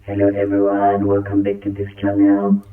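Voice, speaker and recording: A man's voice: lowish voice, monotone, moderate pace, clear, resonant tone. A man giving a short channel greeting through a voice-changer filter. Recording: tinny, echoing, music behind.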